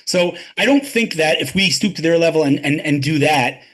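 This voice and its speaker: A man's voice: a little high, animated, normal speed, a bit bright. A man speaking emphatically as a guest on an interview podcast, often repeating words as he starts a sentence. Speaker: interview guest, tech advisor. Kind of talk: conversational interview.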